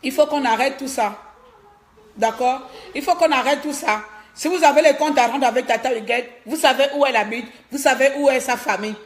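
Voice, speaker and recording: A woman's voice: high voice, a little fast. Indignant woman, Cameroonian French accent. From Gabon. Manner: indignant, repeats words while searching for them. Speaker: online commentator. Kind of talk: livestreamed rant. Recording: roomy echo.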